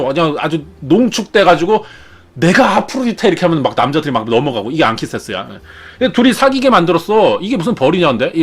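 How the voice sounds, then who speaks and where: A man's voice: a little high, fairly bright tone. A man retelling myths in a chatty, jokey, casual way as a show host. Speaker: storyteller host. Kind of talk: casual storytelling.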